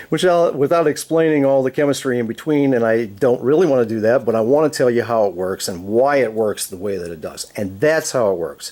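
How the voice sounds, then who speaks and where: A man with medium pitch talks at a fairly quick pace, using lively intonation and hardly any pauses. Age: 60s. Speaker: inventor demonstrating energy cells. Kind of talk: technical explanation. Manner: halting, many fillers and repeats; casual, animated.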